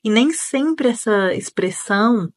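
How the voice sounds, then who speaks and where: Calm Brazilian woman giving a testimonial. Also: on the high side, slow.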